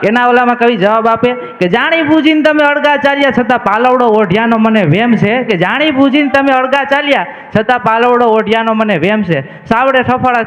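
Animated delivery at very even loudness, with noticeable background noise. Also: man. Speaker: staff member performing at a cultural event. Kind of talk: stage performance of folk poetry and oratory. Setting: stage with audience.

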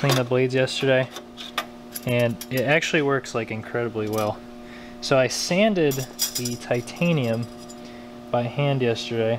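A man at a moderate pace, with long, frequent pauses, fairly even intonation and noticeable background noise. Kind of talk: casual vlog chat. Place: workshop. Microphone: phone near.

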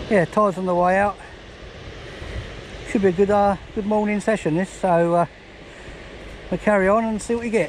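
The speech comes at a fairly quick pace. The sound is dry with no echo, over light background noise. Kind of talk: casual vlog chat. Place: beach. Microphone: phone near.

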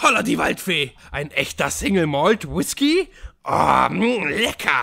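This man puts on a character voice with a high pitch. He talks at a fairly slow pace. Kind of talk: audio drama.

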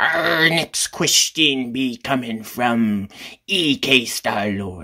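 A man performs a put-on character voice. His pace is very slow. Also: medium pitch for a man. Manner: exaggerated pirate speech.

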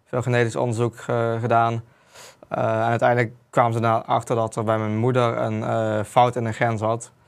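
This man's voice sits at a medium pitch and is delivered in a flat, monotone way. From Dutch Limburg (Geleen). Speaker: wheelchair tennis player. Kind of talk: interview. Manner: hesitant, many filler sounds.

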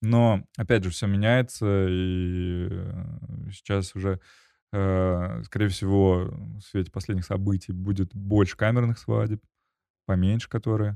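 Against a quiet background with a dry sound and no echo, a man with fairly low pitch and a dark, mellow tone speaks at a very slow pace with fairly even intonation and long, frequent pauses. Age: 30s. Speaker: wedding photographer; guest. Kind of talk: casual chat. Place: studio. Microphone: studio mic.

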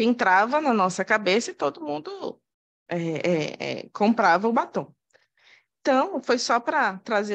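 With very wide pitch swings, a woman speaks at a fairly slow pace in a fairly high pitch. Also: quiet background. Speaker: psychoanalysis institute associate; presenter. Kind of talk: reading a prepared paper. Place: classroom. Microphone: podium.

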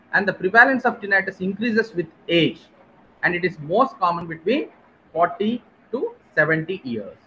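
A man with a high voice speaks in a raised, projected way at a moderate pace, with lively intonation and long, frequent pauses over light background noise. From India. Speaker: audiologist. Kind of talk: lecture. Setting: video call. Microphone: video call.

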